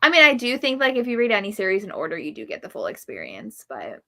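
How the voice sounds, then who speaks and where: On her livestream, a book reviewer chats casually about books, offering frank, opinionated takes. She talks fast at a medium pitch, with huge pitch swings and a sharp tone.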